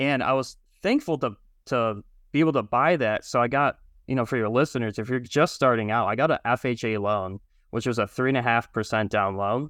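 A plain, everyday voice from a man with an American accent, medium in pitch with ordinary pitch variation, at a fairly quick pace, in a dry, close sound with no echo against a quiet background. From Michigan. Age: 30s. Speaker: real estate investor. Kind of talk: interview. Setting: remote call.

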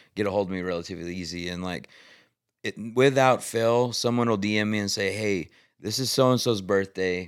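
A man with a West Texas accent speaks at a fairly low pitch and a fairly quick pace, with ordinary pitch variation. The recording is very clean, with a silent background. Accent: West Texas, audible in speech. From West Texas (Paducah, near Lubbock). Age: 30s. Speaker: musician, band frontman. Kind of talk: casual chat.

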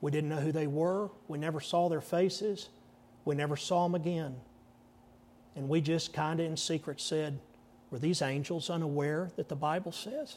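A Texan accent at a moderate pace with fairly even intonation. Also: man, fairly high pitch for a man. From Texas. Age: 50s. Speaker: pastor. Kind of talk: sermon. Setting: church.

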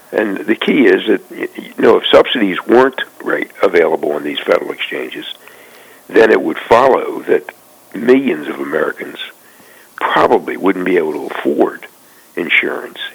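A man keeps a moderate pace as noticeable background noise carries on behind him. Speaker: constitutional scholar. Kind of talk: radio interview. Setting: remote call.

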